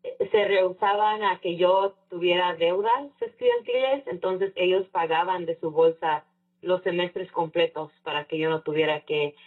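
A woman's voice: lowish voice, animated, moderate pace, husky. A woman raised in the Chicago area, telling her own story as a guest in an interview, reflective and mixing in English phrases. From Chicago area, United States. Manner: reflective, with frequent fillers and English phrases mixed in. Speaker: scholarship recipient guest. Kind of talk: casual personal story in an interview. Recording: far-off tinny phone-like line.

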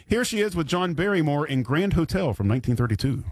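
A man hosting a radio news hour, reading date trivia in a smooth, practiced radio host patter with small slips. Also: fairly high pitch, very animated, quick pace, a little hiss or hum.

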